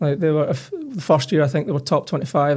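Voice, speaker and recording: A man with a Scottish accent speaks in a fairly high pitch with a dark, mellow, somewhat breathy tone. His intonation is fairly even on a very clean recording with a silent background. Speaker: college soccer head coach. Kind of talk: podcast interview.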